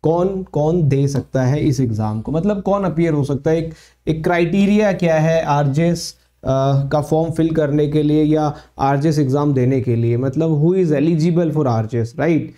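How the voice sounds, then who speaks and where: A man coaching law students, explaining exam eligibility in a repetitive lecture style and slowly reading official text aloud. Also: on the high side, warm tone. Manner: explanatory, repeats points, mixes English phrases; reads notification lines aloud slowly.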